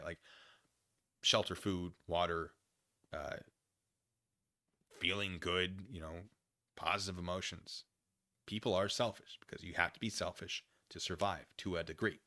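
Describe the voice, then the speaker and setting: A man with a fairly low voice and a bright, forceful edge talks casually as a livestream host. He muses through his opinions in a halting way, rewording and qualifying as he goes, with short emphatic phrases. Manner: musing, halting, often rephrasing and qualifying himself. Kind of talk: casual opinion monologue, answering chat comments.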